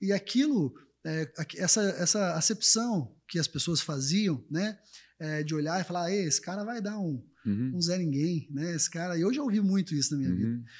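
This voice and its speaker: Over a silent background in a very clean recording, a man with a high pitch talks at a moderate pace with lively intonation. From Brazil, Minas Gerais (Passos). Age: 20s. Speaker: entrepreneur, solar energy franchise. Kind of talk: casual interview chat, testimony.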